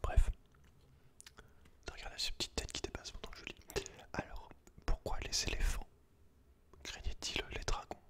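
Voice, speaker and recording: A man speaks in a breathy, unvoiced whisper, informal and close to the listener, as in an ASMR reading. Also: normal speed, pauses often, pushed and bright. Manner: informal, slangy, talks directly to one listener. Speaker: ASMR creator. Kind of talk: whispered ASMR, casual commentary and reading aloud from a book.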